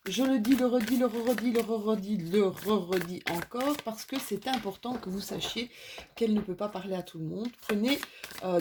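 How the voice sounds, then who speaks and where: A woman's voice: medium pitch, background noise. A French-speaking woman giving a casual oracle card reading at home, chatty and self-mocking, drifting off topic now and then. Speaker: astrology and oracle card reader.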